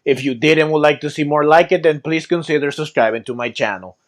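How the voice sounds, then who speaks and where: A man's voice: fairly high pitch, fast, no room sound, clean studio sound. A man giving scripted, emphatic and enthusiastic commentary for a fan video. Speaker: YouTube commentator.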